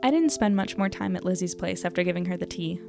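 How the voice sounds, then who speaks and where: A woman's voice: lowish voice, fast, gravelly, mellow, soft background music. A woman playing an earnest young newcomer to a strange town in an audio drama, speaking in a hesitant, musing, conversational way. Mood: reflective, uncertain. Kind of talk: audio drama dialogue and reflective first-person narration.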